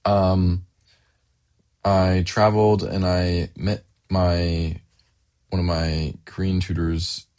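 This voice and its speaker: A man's voice: low-pitched, flat delivery, slow, darkish tone. A young man, a native English speaker, talking casually in a rambling way, with lots of fillers and restarts. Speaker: vlogger. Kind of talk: casual monthly diary vlog. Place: Seoul, Korea.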